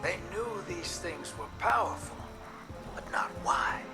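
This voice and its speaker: A man's voice: high-pitched, expressive, slow, exaggerated voice. A man playing a roguish, folksy drifter in a video game, wisecracking and teasing in a laid-back drawl. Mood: sly. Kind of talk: video game dialogue acting. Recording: music behind the voice.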